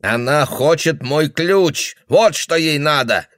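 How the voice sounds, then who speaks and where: Man voicing furious old man, paranoid, shouting, raised pitch, dry close sound. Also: expressive, takes it slowly, dry recording. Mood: suspicious. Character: confused angry old man, father.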